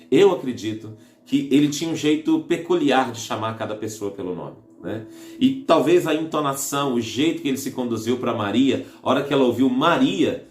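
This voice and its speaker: A man with a Brazilian accent delivers an earnest sermon in a church hall, speaking at a mid pitch. The room rings with echo, and soft music plays faintly underneath. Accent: Brazilian Portuguese. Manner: earnest, addresses listeners as brothers, rephrases mid-sentence. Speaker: preacher.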